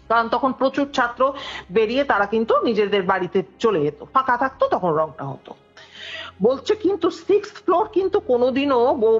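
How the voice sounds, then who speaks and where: A woman whose voice leans high and a little rough relates a ghost story as a guest. She narrates in a lively, conversational way and acts out the dialogue, heard over a dull lo-fi call with music playing.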